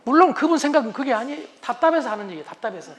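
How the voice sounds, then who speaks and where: A man giving a humorous lecture on couples' communication, animated and acting out what spouses say. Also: very high-pitched, racing. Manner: animated, acts out spouses' lines.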